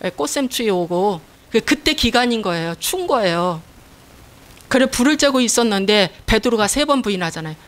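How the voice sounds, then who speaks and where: Woman pastor mid-sermon, kinda high voice, repeats stuff for emphasis, asks the church questions. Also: animated, normal speed. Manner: asks the congregation questions and answers them herself; emphatic, repeats key phrases.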